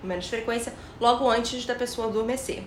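Amid noticeable background noise and audible room echo, a woman talks at a very fast pace with a fairly high pitch. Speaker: podcast co-host.

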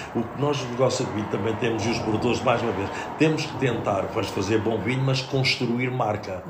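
Noticeable background noise accompanies a man with a European Portuguese accent who speaks at a medium pitch, a moderate pace and fairly even intonation. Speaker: wine industry veteran. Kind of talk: interview.

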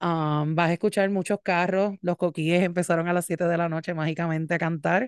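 The delivery is monotone and flat at a moderate pace with hardly any pauses and very even loudness, the sound dry and close with no echo over a quiet background. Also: woman, fairly low pitch for a woman. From Puerto Rico, Orocovis. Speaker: podcast host. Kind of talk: solo podcast monologue.

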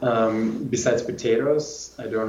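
Over noticeable background noise, a man with a Lithuanian accent speaks at a medium pitch with ordinary pitch variation. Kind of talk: casual interview. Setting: video call.

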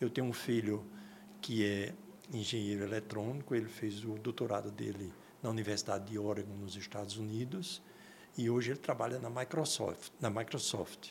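Noticeable background noise surrounds a man at a fairly low pitch. His pace is moderate, with ordinary pitch variation. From Brazil, Paraíba (Campina Grande). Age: 60s. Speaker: strategic planning consultant. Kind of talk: interview conversation.

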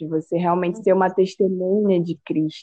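The speaker talks with a Belém accent and ordinary pitch variation. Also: woman. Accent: Belém accent with hissing s, mistaken for Rio. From Belém do Pará, Brazil. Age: 20s. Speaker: occupational therapist and church youth leader. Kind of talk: casual chat with faith testimony.

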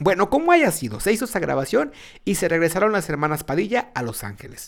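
Very wide pitch swings run through this voice, spoken with a Mexican accent. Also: man. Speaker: podcast host reading a book aloud. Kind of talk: reading aloud.

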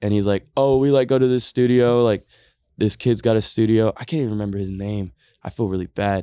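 An ordinary speaking voice with an American accent talks at a fairly quick pace and with fairly even intonation. The recording is very clean, with a silent background. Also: man, medium pitch for a man. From Idaho, US. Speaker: college student and rapper. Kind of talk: casual chat. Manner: casual, filler-heavy speech.

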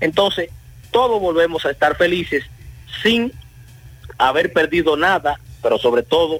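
A man speaks with a Dominican accent. His intonation is lively. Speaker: meteorology expert. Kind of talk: radio interview.

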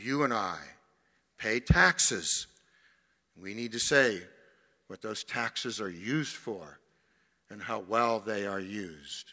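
A man at a fairly low pitch in a bright, sharp tone, very slow and broken by long, frequent pauses, with ordinary pitch variation, big swings in loudness, and a quiet background. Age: 60s. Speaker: deacon. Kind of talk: sermon. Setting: church.

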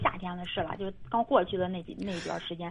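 A very fast pace over noticeable background noise. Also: woman. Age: 40s. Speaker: caller. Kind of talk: call-in. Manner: halting.

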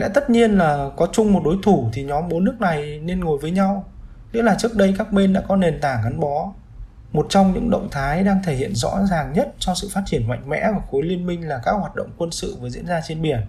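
A man talks in a high pitch. His intonation is lively. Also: fairly quick pace. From Hai Phong, Vietnam. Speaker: panel guest, citizen commentator. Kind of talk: panel discussion.

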